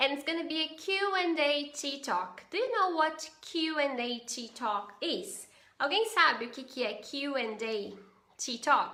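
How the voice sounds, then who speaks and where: A woman's high, bright, sharp voice, raised and projected, in a Portuguese accent at a fairly slow pace, with audible room echo. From Brazil. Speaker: English teacher. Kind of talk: live stream Q and A. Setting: Facebook live stream.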